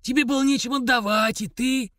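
A man reading aloud voices a gruff police major who questions a suspect in a rough, sneering way. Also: extremely high pitch, steady tone, a little fast, a bit bright, no room sound, clean studio sound, pitched above the performer's own voice.

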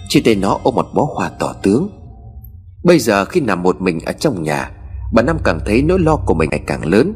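Low-voiced male storyteller. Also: big pitch swings, darkish tone, big-room sound. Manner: measured, dramatic. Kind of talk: scripted narration of a ghost story. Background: music.

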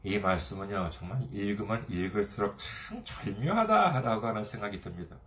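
A man preaching a sermon as pastor, retelling a parable and briefly acting out its characters' voices. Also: moderate pace. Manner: storytelling, acting out parable voices with lively pitch swings.

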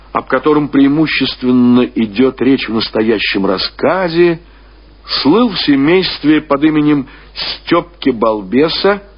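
A man reading classic literary prose as a radio narrator, in a measured, expressive storytelling manner with deliberate phrasing. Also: mid-range voice, slightly rough. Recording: dull lo-fi radio recording.

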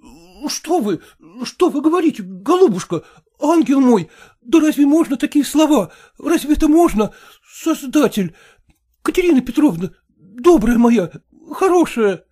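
A man's voice: very high-pitched, expressive, normal speed, warm tone, voice pushed up. A man voicing a timid, lovesick office clerk who mumbles servile apologies and weeps. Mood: tearful.

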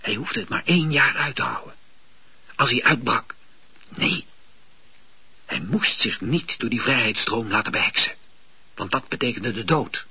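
A man's voice: medium pitch, expressive, moderate pace, long pauses, pushed and bright, slightly rough, no echo, heavily acted. A man narrating a radio play as a grave storyteller, reading scripted dramatic prose. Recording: dull, band-limited radio recording.

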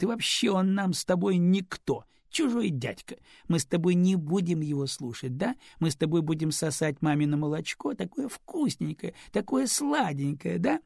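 Tipsy young mom cooing baby talk, high and sing-song, gravelly edge, a guy doing her voice. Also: a little mellow, no room sound, clean studio sound, full character voice.

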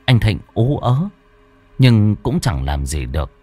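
A man's voice: lowish voice, big pitch swings, slow pace, darkish tone, husky. A man narrating a ghost story in a dramatic storytelling manner. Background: faint background music.

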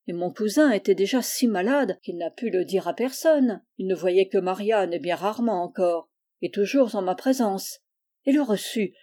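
A miserly, cruel old woman who barks and scolds in a sharp, loud voice, put on by a woman reading a storybook. Her tone stays soft and mellow even while she rages. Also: medium pitch, lightly acted. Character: stingy, cruel older woman cousin.

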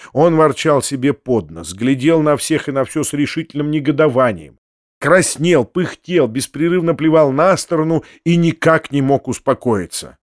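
A man reading a classic novel aloud in steady, expressive scripted narration. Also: mid-range voice, dry recording, clean studio sound. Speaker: audiobook narrator.

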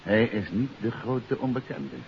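An actor playing a calm, terse detective, sure of his deductions, in a 1950s Dutch radio play. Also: mid-range voice, unhurried, natural voice. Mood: calm, certain. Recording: muffled, hissy 1950s radio recording.

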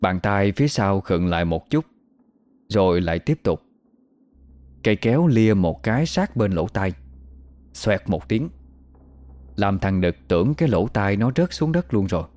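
A man telling a horror story in slow, even, suspenseful narration. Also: on the low side, dry recording. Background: faint music.

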